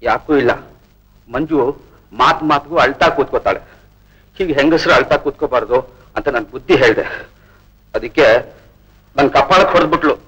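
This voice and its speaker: An actor playing a kind brotherly helper in a village household who soothes and coaxes the women of the house. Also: male voice, medium pitch, moderate pace, pauses often, fairly bright tone, natural voice, rough recording. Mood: soothing. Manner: coaxing, soothing brotherly talk. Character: kindly helper brother, warm male village servant. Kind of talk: 1970s film acting.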